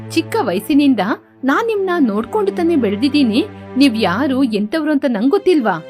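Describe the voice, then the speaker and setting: A woman voicing a defiant, loyal teenage girl who scolds her parents in a sharp, indignant way. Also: high voice.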